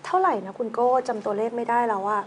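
A woman hosting a news talk show, reading items and chatting about them in a relaxed, conversational way. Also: a little high, fast talker, a little hiss or hum.

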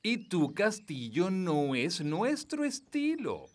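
A man with a Latin American accent voicing an earnest old garden gnome in a children's cartoon, polite and deliberate. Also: high-pitched, huge pitch swings, background noise, heavily acted. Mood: politely blunt.

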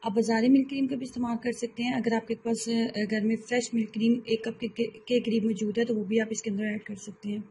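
A woman hosting a home cooking channel, calmly explaining recipe steps in a voice-over and often repeating herself. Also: on the high side, quick pace, hardly any pauses, slight background noise.

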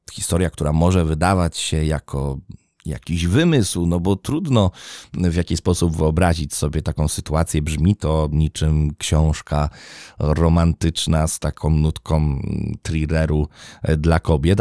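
Male true-crime narrator: low gravelly voice, dark tone, dramatic expressive read. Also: no echo, studio quality.

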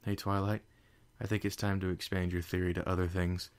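A man voicing an excitable young male baby dragon in a fan story reading. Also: low voice, brisk, clear, resonant tone, close to an everyday voice. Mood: pleading. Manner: agitated, yelling.

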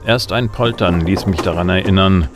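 An actor playing a tough, sardonic bounty hunter, narrating and speaking in a dry, matter-of-fact way in a science fiction radio drama. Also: male voice, sits low, normal speed, music in the background, close to an everyday voice. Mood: grim. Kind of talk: first-person hardboiled radio drama narration and dialogue.

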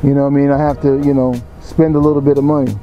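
A man's voice: medium pitch, level tone, rapid-fire, highs cut off, soft background music. A man casually talking through his car restoration work in a garage and a junkyard, in a laid-back, slangy, rambling way, on a body-worn camera. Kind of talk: casual how-to commentary. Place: garage workshop and outdoor junkyard.

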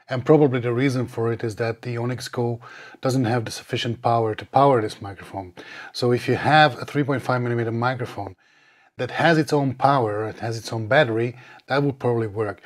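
A man in his forties giving a scripted, matter-of-fact review of a wireless microphone, recorded on a clip-on mic in a small dim studio. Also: medium pitch. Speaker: podcast gear reviewer.

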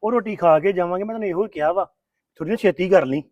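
An actor playing an impatient young husband who insists on going home in a family drama. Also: male voice, high-pitched, racing, a little mellow, no room sound, dull audio, natural voice. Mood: insisting. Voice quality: insistent, grumbling. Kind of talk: Punjabi family drama acting.

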